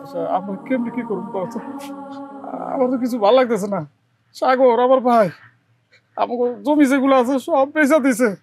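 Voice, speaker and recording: A man's voice: fairly high pitch, animated, quick pace, faint music behind, close to an everyday voice. A man playing an anxious poor village husband. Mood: despairing. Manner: worried, despairing. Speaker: village husband and elder brother. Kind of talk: television drama acting.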